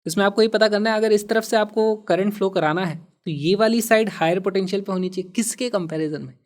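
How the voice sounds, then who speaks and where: A man explains physics problems step by step. He talks in a lively way and leans hard on key words. He drops English terms in as he goes. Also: high voice, a little fast. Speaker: physics teacher.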